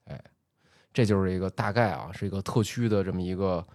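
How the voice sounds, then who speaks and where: A man hosting a podcast, telling a story in casual chat, full of drawn-out filler particles. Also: low voice, a little mellow, dry recording, clean studio sound. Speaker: podcast host.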